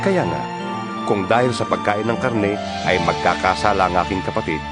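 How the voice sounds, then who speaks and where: A man's voice: fairly low pitch, moderate pace, close to an everyday voice. A Filipino-accented man playing an earnest apostle in a dramatized scripture reading, speaking in an emphatic, oratorical way. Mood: solemn, admonishing. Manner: oratorical, emphatic rhetorical questioning. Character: Paul, earnest impassioned male apostle writing to his church. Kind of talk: dramatized audio Bible reading in Tagalog. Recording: studio reading over clear background music. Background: instrumental music.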